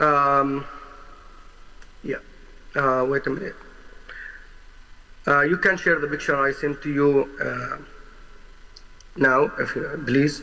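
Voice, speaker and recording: Speaking very slowly with long, frequent pauses, a man with an Arabic accent uses a fairly high pitch and fairly even intonation. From Gaza, Palestine. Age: 20s. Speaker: journalist and witness. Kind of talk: testimony. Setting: video call. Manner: halting.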